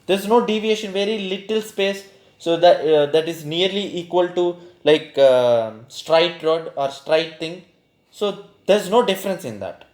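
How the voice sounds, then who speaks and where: A man's voice: high-pitched, unhurried, a little mellow. A man with a South Asian accent teaching informally, repeating phrases for emphasis and posing questions that he answers himself. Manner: poses student questions and answers them himself. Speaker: physics teacher. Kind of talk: informal spoken lesson. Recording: echoey room sound.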